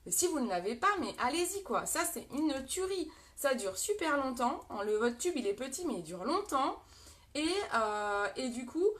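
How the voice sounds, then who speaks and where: A woman's voice: on the high side, a bit bright. A French woman hosting a casual live makeup demo, chatting with viewers as she talks through products. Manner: chatty, greets viewers, frequent fillers.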